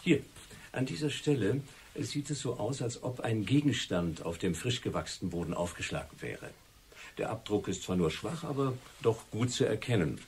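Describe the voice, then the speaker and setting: An actor in a German radio play playing a confident crime writer who explains things deliberately and theatrically. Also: male voice, on the low side, expressive, a little mellow, a little hiss or hum. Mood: musing, dramatic. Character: confident crime writer laying out his theory methodically.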